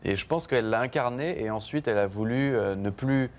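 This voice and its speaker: A man's voice: medium pitch, fairly quick. A man, a band's songwriter, talking casually in a TV interview, hesitant, with many fillers and restarts. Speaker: band songwriter, interview guest. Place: TV studio.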